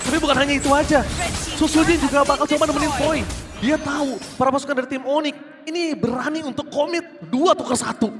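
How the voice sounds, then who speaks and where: A man with an Indonesian accent calls a competitive game in an extremely high-pitched voice. His delivery is theatrical live commentary with drawn-out calls. The sound is roomy and echoing, with music underneath. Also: fairly even intonation. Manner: theatrical, drawn-out shouted calls in big moments. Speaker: esports match commentator. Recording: echoey shoutcast mixed over loud music.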